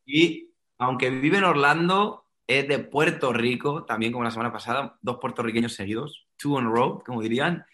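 A man's voice: medium pitch, normal speed, hardly any pauses, pushed and bright. A man from Spain with a Castilian accent hosting a casual interview podcast, chatting in an informal, joking way. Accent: Castilian Spanish, Spain. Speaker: podcast host.

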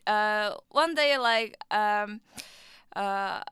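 Young Korean woman, interview guest; bright, very clear tone, dry close sound, hesitant English. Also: medium pitch, dry recording. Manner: halting, searching for English words, laughs often. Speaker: guest musician. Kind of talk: casual interview chat.

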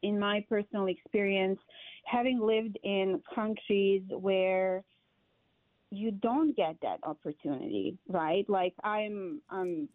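Mulher sérvia sincera, áudio de chamada. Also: female voice, mid-range voice, lively intonation, slow pace, no echo. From Serbia. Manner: earnest, reflective, with hesitations. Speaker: survivor advocate guest. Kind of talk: remote interview. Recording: dry tinny call audio.

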